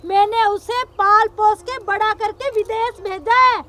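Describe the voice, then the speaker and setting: Actress as an older rural headwoman mother-in-law, domineering and scolding, very high-pitched. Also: fairly even intonation, measured pace, sharp tone, slight background noise, full character voice.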